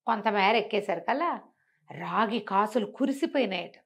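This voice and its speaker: A woman telling devotional stories conversationally, in an expressive, emphatic way that repeats phrases for effect. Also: medium pitch, normal speed, breathy edge. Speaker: storyteller and talk show guest.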